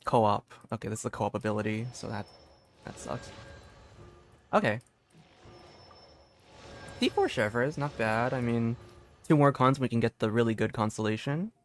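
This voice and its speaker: A young man doing casual live game commentary as a streamer, excitable and rambling, often repeating himself. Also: medium pitch, normal speed, pauses often, slight background noise. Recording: dry close sound with game music.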